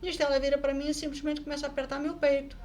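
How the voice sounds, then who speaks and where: A woman vlogger telling a personal story in a casual, lively way, often adding quick tag questions. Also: sits high, slight background noise. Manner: lively, acts out the people in her story.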